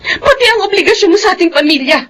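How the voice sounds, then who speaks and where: Casting: a defiant mother, high voice that rises and falls, firm. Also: animated, fast, a bit bright. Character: long-suffering mother defending her children.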